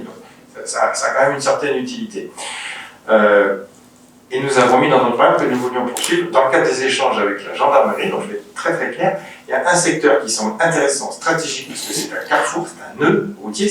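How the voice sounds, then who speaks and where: A man with a French accent, heard from a distance in a very reverberant room, addresses a council as its chair. His pitch is middling. He explains things in a measured, slightly halting, official way, over faint noise. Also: fairly bright tone. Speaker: mayor chairing a municipal council meeting. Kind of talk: formal council speech, partly improvised explanation. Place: indoor council meeting room.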